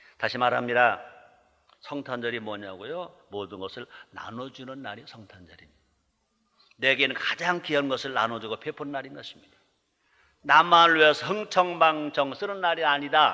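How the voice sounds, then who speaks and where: Bright and sharp in tone, a man with fairly high pitch and lively intonation swings widely in loudness and leaves long, frequent pauses. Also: moderate pace. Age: 60s. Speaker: pastor. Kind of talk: sermon.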